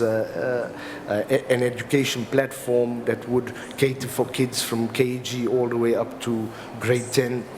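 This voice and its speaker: A man with a South African accent giving an explanatory conference talk as a legal professional, in a halting, hesitant delivery with repeated words. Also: medium pitch. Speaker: company lawyer speaking as a summit panelist. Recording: reverberant hall with clear background noise.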